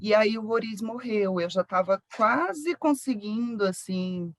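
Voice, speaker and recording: A woman from Brasília, a student describing her book project over a video call, telling it in a lively way. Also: medium pitch, a little slow, no room sound.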